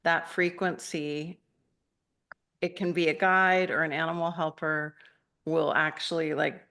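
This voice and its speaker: Low, gravelly woman meditation teacher from Argentina, gentle and rambling. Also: level tone, measured pace. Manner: gentle, rambling, laughs often. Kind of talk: casual live-session chat with participants.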